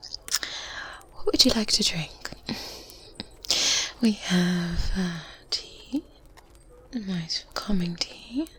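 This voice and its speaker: A woman's fairly high, breathy whisper voices a self-assured, experienced good witch in ASMR roleplay, hushed and politely hosting yet gently condescending. She moves slowly and deliberately, with hesitant pauses and hums. Recorded on a close binaural mic, faint ambience and medieval sounds sit behind her.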